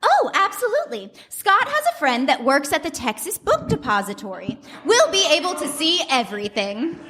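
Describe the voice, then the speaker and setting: A woman playing an excitable, naive 1960s housewife and mother in a staged radio play parody, theatrical and melodramatic. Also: high-pitched, normal speed, full character voice. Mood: chirpy, excited. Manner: theatrical, breathless exclamations and gasps.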